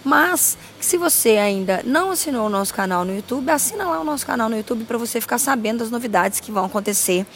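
A Brazilian woman hosting a podcast in a casual, chatty way, with a grating, cracked voice and a loud, exuberant, slangy manner. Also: a little high, animated, quick pace, hardly any pauses, a little hiss or hum. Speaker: podcast host.

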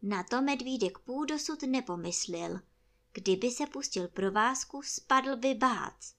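Storyteller, woman, bright lively narration for children. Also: on the high side. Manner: lively, expressive reading.

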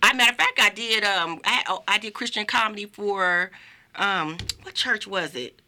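A woman with a raspy voice, a Christian comedian telling church stories in casual chat. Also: mid-range voice, normal speed, a little hiss or hum. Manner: animated, breaks into laughter, mimics preachers.

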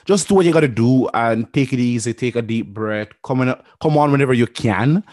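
Male chef-host, middle pitch, encouraging, dry close recording. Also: a little fast, a little mellow, dry recording. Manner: encouraging, affirms often with "yeah". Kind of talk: casual interview chat.

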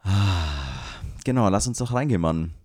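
A man's voice: fairly low pitch, normal speed, darkish tone, dry recording, clean studio sound. A man from Germany co-hosting a casual podcast, talking in a slangy, laid-back way and laughing often. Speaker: podcast co-host. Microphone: remote recording setup.

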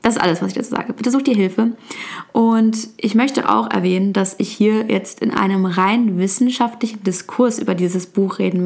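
A woman's voice: mid-range voice, gravelly, darkish tone. A young woman whose first language is Turkish, talking casually about a book with many fillers and restarts.

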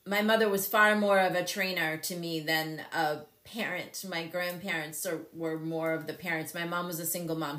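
Animated storytelling woman in her fifties. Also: lowish voice, echoey room. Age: 50s. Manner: candid, animated storyteller who laughs often. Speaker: show host and company CEO. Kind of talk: casual storytelling on a live show.

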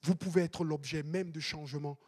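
A man, preaching a sermon as a pastor with emphatic, repeated exhortations that break into shouts. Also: on the high side, fairly even intonation, normal speed. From Cameroon.

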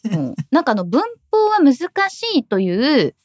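A woman's voice: sits high, wildly swooping pitch, takes it slowly, darkish tone, dry recording, studio quality. A woman co-hosting a casual live-streamed podcast, chatting upbeat and reading out viewer comments. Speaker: podcast co-host. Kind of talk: casual chat. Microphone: studio mic, live-streamed recording.

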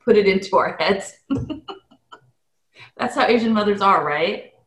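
A woman hosting an interview, asking curious questions in a casual, animated way and laughing easily. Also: medium pitch, slow pace. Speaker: interviewer, host. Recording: echoey room.

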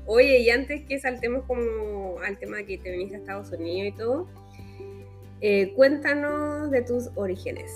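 A woman's voice: on the high side, a little slow, soft background music. A woman with a Chilean accent hosting a podcast, interviewing her guest in a casual, conversational way.

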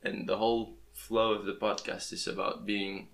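A young man whose first language is Portuguese talks casually into his podcast microphone. His voice sits low and stays flat, and he often stumbles and restarts his words as he goes. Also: moderate pace, vocal fry. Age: young adult. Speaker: podcast host. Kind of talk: casual interview chat. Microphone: plugged-in podcast microphone.

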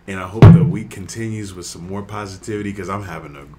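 Loud guy on a podcast, talks over his cohost, cusses, laughs a lot. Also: deep voice, fast talker, over loud music. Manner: loud, excitable, swears a lot, laughs often. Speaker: podcast co-host. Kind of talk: casual podcast banter. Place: room with others around a table.

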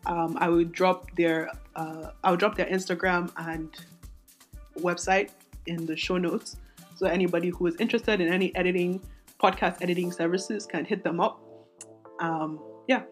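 Raspy-voiced young woman rambling candidly. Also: fairly low pitch, steady tone, moderate pace, faint music behind. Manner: rambling, self-interrupting, candid. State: voice strained from singing. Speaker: podcast host. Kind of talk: solo podcast rant.

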